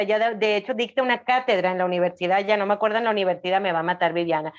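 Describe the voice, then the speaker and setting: A woman's voice: mid-range voice, dull audio. A woman chatting as an interview guest, talkative and emphatic as she explains and checks she is understood. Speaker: podcast guest, audiobook creator and writer. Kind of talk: casual interview talk.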